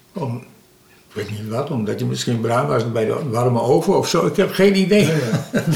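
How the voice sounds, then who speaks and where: A man at medium pitch with very wide pitch swings and a moderate pace, plus audible room echo and noticeable background noise. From Netherlands, Amsterdam. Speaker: singer and cabaret performer. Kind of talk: interview. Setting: at home. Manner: halting.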